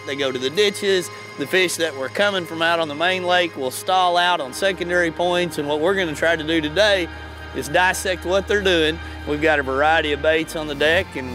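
Middle-aged man, folksy fishing host, music behind. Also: fairly high pitch. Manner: folksy, conversational. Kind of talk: casual fishing commentary.

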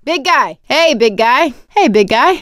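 A woman playing a sassy, expressive young survivor of a zombie outbreak in a video game, in short wry barks. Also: sits high, unhurried, no echo, studio quality, heavily acted. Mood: teasing.

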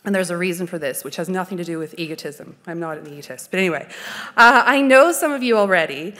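Woman, Canadian accent, forties, art history lecturer, measured and articulate, lectern mic. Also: lowish voice, expressive, fairly bright tone. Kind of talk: formal lecture. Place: dark stage, indoors.

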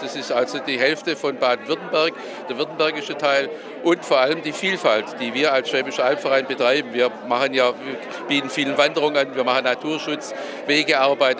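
A man, answering interview questions formally as a club president. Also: medium pitch. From Stuttgart, Germany. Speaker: association president. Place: crowded hall indoors. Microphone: handheld interview mic. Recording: busy hall crowd behind.

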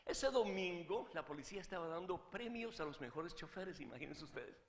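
A man preaching as a Catholic priest, swinging from hushed asides to shouted fervor. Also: sits high, lively intonation, brisk, roomy sound, in a large hall, slight background noise. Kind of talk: sermon with a joke.

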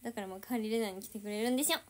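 A woman's voice: medium pitch, steady tone, rapid-fire. A young woman idol chatting casually on a livestream, reading and answering viewer comments.

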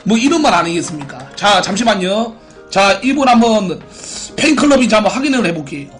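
A man's voice: high-pitched, very animated, fairly quick, a bit bright, faint music behind. A man in his twenties hosting a live stream, reading out viewer posts and giving theatrical announcer-like verdicts in a brash, crude, mocking way. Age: 20s. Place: small indoor room at a computer.

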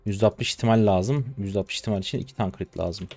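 A man in his twenties from Turkey giving casual live commentary on his own gameplay, chatty and trash-talking, with sudden loud excited shouts, on a close desk mic. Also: fairly low pitch, brisk, no room sound. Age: 20s. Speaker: gaming streamer.

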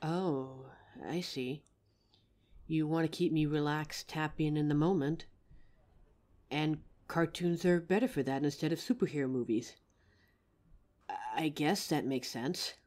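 In this F4A audio roleplay, a woman voice actor plays a gentle young werewolf girlfriend guiding her partner through a grounding exercise. She speaks low, slow and tender in a soft, breathy audio-drama voice with a mellow, dark tone. She lingers over each word.

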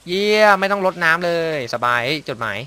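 A man's voice: high-pitched, animated, fast, bright, forceful tone, clear, resonant tone. A young man commentating casually as he plays a video game, exclaiming, muttering to himself and making little sound effects. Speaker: gameplay commentator. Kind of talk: casual let's-play commentary.

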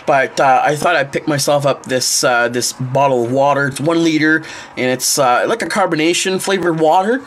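A man's voice: on the high side, moderate pace, a bit bright, slight background noise. A young man, chatting casually to a close handheld camera at home, rambling with many fillers. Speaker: vlogger. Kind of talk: casual vlog chat to camera. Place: small home kitchen and living room indoors. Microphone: wide-angle camera held close.

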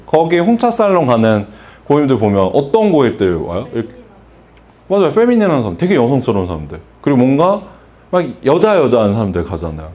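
A man's voice: mid-range voice, a little mellow. A middle-aged man giving a salon business workshop, asking the audience questions and acting out exchanges with customers. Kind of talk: workshop lecture.

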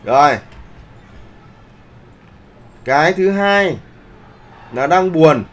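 Guy teaching an online class, slightly high voice, keeps asking if students follow. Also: animated, very slow. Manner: keeps checking in with the class, polite particles. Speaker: online art instructor. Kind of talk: live class tutorial.

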